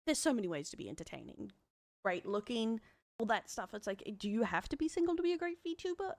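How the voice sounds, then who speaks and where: A woman's voice: fairly high pitch, sing-song, brisk, darkish tone, dry recording. A woman with an Australian accent giving casual, rambling streaming commentary.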